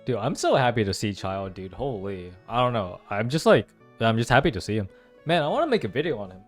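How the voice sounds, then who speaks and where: A young man giving casual, slangy play-through reactions as an excitable gaming fan. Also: lowish voice, fairly quick. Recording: game music behind voice.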